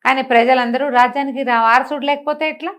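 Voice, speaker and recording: Lively older woman telling a story. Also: high voice, fast. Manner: chatty, animated, laughs and comments on the story. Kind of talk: oral storytelling with asides.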